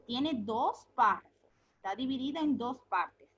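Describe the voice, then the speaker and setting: A woman teacher giving a recorded remote lesson, patiently asking her pupils questions, answering them herself and repeating key words slowly. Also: on the high side, animated, fairly bright tone, breathy edge, highs cut off.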